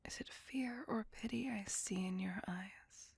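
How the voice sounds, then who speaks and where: A woman voicing a tormented, possessive female vampire centuries old, whispering slowly and intimately into a close microphone in an ASMR roleplay. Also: medium pitch, gravelly, slightly rough, no echo, full character voice. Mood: brooding menace. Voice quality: whispered throughout. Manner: slow, brooding, intimate.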